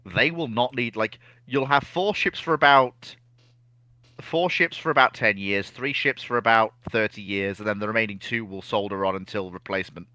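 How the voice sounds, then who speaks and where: A man's voice: medium pitch, sharp tone, no echo. A man in a casual discussion, giving opinions emphatically and often restarting the openings of his sentences.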